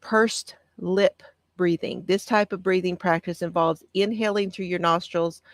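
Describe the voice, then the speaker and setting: A woman hosting a casual live stream, with a soft, calming voice, reading out notes on breathing and answering viewer comments. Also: lowish voice, no echo. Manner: gentle, reads aloud with pauses and answers viewer comments. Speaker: craft channel host.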